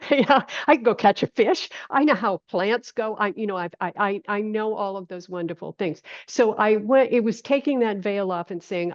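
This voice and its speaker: A woman's voice: mid-range voice, no echo, muffled recording. A woman in her seventies from coastal Maine, answering as an interview guest in a conversational way, repeating phrases for emphasis. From island off the coast of Maine, USA. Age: 70s. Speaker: podcast guest, holistic health teacher.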